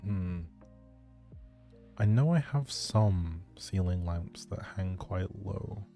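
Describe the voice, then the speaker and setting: A man's voice: deep voice, animated, slow pace, vocal fry, dark tone, faint music behind. A man chatting casually to viewers on a game livestream, musing aloud as he plays. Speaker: game streamer. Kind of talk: casual livestream chat while playing a life-simulation game.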